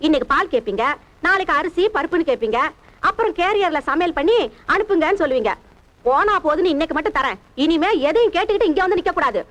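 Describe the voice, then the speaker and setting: An actress playing a sharp-tongued housewife scolding a young neighbour in a film. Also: female voice, very high-pitched, lively intonation, quick pace, poor audio.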